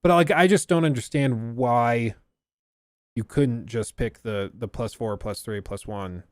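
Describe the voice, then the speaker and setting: A man's voice: medium pitch, measured pace, no room sound, studio quality. Chatty man reacting live on stream. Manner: chatty, enthusiastic, loose with fillers. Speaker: streamer reacting to a game showcase. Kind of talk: casual live reaction commentary.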